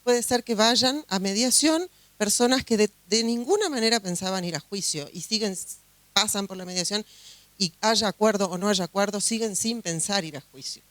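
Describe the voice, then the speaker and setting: A woman's voice: medium pitch, normal speed, fairly bright tone, no echo. A woman from Uruguay with a Uruguayan Spanish accent, a judge giving a chatty conference talk full of fillers and restarts. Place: conference hall.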